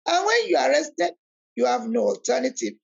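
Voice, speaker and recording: Emphatic high-voiced woman. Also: big pitch swings, brisk, gravelly, slightly rough. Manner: emphatic and preacherly, repeats words, rises sharply on key words. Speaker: host of an online spiritual discussion. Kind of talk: animated talk, switching between English and Yoruba. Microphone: video call. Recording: lo-fi video call audio.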